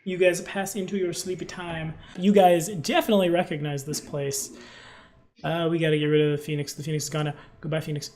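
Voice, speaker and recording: A man acting as game master, improvising descriptions in an informal, halting way. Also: a little high, little pitch movement, a little mellow. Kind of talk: improvised tabletop game narration.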